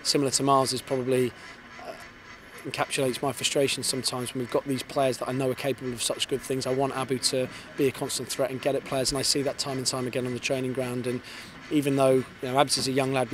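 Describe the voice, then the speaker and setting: A man in his thirties, a football head coach, giving an earnest post-match interview outdoors on a floodlit pitch into a handheld mic, often repeating words as he starts a sentence. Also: flat delivery, fast. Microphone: handheld reporter's mic held in front. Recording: outdoor stadium noise behind.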